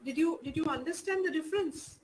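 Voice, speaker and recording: High-voiced Indian woman teaching. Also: a little fast, a little mellow. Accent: Indian English. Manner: explanatory, many "you know" fillers. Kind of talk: online class lesson.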